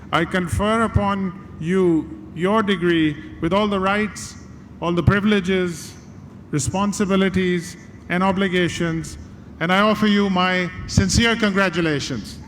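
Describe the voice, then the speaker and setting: A man, a university vice chancellor, speaking at a pulpit microphone and giving a measured, formal ceremonial address in a large convocation venue. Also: high-pitched, fairly bright tone. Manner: measured, formal, reading out names and conferring degrees. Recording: long reverb in a large venue, faint noise.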